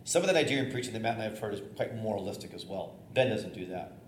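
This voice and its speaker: A middle-aged man, a theater-trained bishop with a loud voice, teaching preachers in a conversational, energetic way with fillers and restarts. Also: fairly low pitch, fast. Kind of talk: informal teaching talk on preaching. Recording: echoey room, faint noise.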